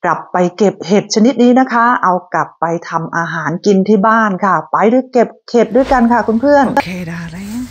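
A woman's voice: medium pitch, expressive, brisk, hardly any pauses, a little hiss or hum. Chatty Thai woman vlogging outdoors. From Thailand. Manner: chatty, polite, mixes in English words. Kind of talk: casual vlog narration. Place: woods in Virginia.

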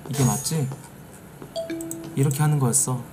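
A middle-aged man streaming a game live, reacting loudly and swearing at it. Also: mid-range voice, moderate pace, music in the background. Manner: excitable, bursts into shouts and swears at the game. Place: streaming room indoors.

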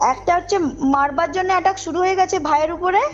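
Speaking quickly in an extremely high pitch, a woman calls in to share a personal story, emphatic and informal, repeatedly making sure her listener keeps up. Loud background music muffles her call audio.

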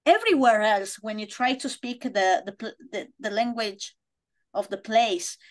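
A woman in her thirties with an Italian accent, hosting a casual interview over a video call from a bedroom at home, with many pauses and fillers. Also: mid-range voice. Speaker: podcast host. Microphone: laptop webcam on video call.

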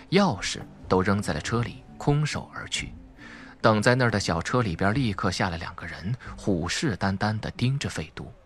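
A man's voice: lowish voice, a bit bright. A man narrating suspense fiction from a script in a dramatic audiobook style.

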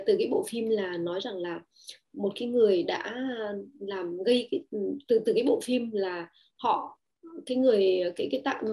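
A woman speaks to an online audience about family and love. Her voice sits a little high with a mellow, warm tone. She hesitates often with fillers and lifts her voice when acting out what people say. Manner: hesitant, many fillers, acts out quoted lines in a raised voice. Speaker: parenting and relationship speaker.

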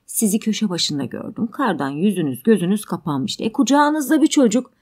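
A woman reading as a middle-aged man in a spoken-word audiobook drama, calm and measured with a dry, mildly sardonic edge. The voice sits at an ordinary middle pitch, with no heavy disguise. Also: breathy edge. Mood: reasoning, calm. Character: calm, reasoning middle-aged man drinking cognac at home.

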